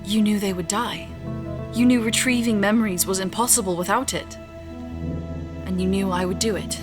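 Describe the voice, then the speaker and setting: Casting female actor: accusing, intense woman doctor for sci-fi audio drama, medium pitch. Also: steady tone, moderate pace, over music, close to an everyday voice. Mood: bitter, accusing. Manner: intense, confronting. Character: wronged, accusing female scientist. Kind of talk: science fiction audio drama.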